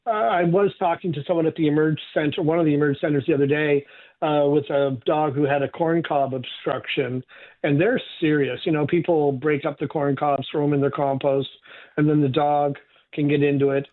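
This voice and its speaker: A man, a veterinarian guest, hoarse from a cold, giving chatty advice with loose fillers over the phone. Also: a little high, fairly even intonation, fairly quick. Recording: phone line.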